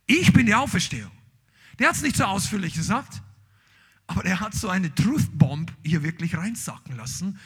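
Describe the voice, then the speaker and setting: A man's voice: high-pitched, breathy edge. A man preaching a sermon, reading scripture aloud and then driving his point home with emphatic, rising outbursts. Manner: emphatic, rising to shouts on key lines.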